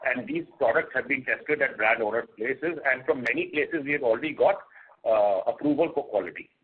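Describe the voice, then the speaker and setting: A man explaining business as a company executive on an earnings call, pausing often mid-phrase over the phone. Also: mid-range voice, breathy edge. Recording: muffled narrowband phone line.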